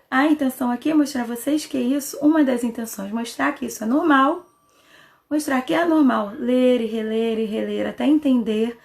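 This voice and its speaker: Brazilian Portuguese teacher, woman, slightly high voice, patient and chatty, live reading class. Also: vocal fry, a little mellow. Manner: chatty, checks in often with "tá?" and "né?"; patient explainer who pauses and restarts. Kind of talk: casual live reading lesson.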